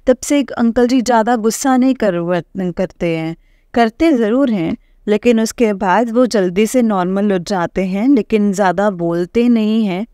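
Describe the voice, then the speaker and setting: A middle-aged woman sharing a personal testimony with a congregation, halting and full of pauses and fillers, addressing her listeners respectfully. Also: medium pitch, dark tone, dry recording, studio quality.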